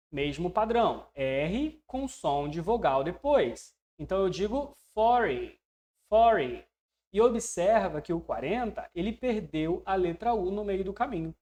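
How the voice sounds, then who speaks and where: A man with a Brazilian Portuguese accent teaching English, who explains patiently, checks in with the learner and drills words slowly. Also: high voice, darkish tone. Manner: voices learners' questions to himself. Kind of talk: online language lesson.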